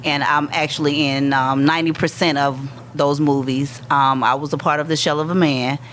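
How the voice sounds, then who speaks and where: A woman's voice: low voice, steady tone, moderate pace, a bit bright. Woman, 40s, casual guest chat, easygoing, lots of ums, faint hum. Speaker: model and clothing designer, guest.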